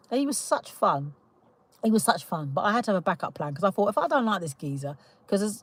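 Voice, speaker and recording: Lively intonation at a fairly quick pace, in a London accent. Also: woman. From UK, British Jamaican. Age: 40s. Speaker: livestreamer. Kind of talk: casual chat. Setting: livestream. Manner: animated.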